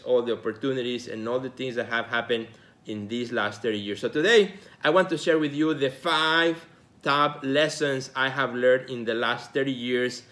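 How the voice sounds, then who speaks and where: A man in his forties from Mexico, hosting his own show as a casual solo talk, relaxed and rambling, with many fillers and restarts. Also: mid-range voice. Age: 40s. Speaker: podcast host.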